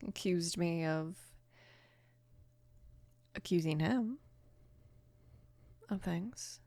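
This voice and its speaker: A woman of about twenty playing a mafia boss's protective, casual daughter in an intimate ASMR roleplay, speaking softly and unhurriedly, often slipping into a whisper. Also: dry recording. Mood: calm, confiding. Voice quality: soft, breathy whispering mixed with low murmur. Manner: hesitant, unhurried, casual with small pauses. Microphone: close microphone, dry.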